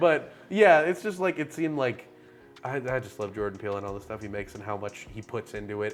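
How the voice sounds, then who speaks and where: Music plays in the background as a man talks at a fairly quick pace, his pitch swinging very widely. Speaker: movie podcast host. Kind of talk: casual chat. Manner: animated.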